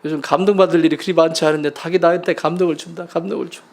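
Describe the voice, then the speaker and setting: A man's voice: a little high, fairly even intonation, racing, vocal fry. A man preaching a sermon as pastor, emphatic and leading his congregation in call-and-response. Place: church sanctuary.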